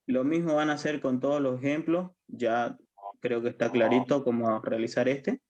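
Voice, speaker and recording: A man's voice: mid-range voice, fairly even intonation, normal speed, darkish tone, muffled recording, a little hiss or hum. A man with a Bolivian accent teaching a university language class. He explains patiently, repeats himself and keeps checking that students follow. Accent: Bolivian Spanish. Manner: patient, repetitive, checks understanding often. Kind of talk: online class lecture.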